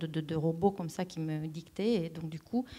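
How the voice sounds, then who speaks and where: A woman speaks with a Romanian accent. Her tone is dark and mellow, her intonation fairly even. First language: Romanian (speaking French). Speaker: playwright and stage director. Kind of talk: interview. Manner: halting, many repetitions.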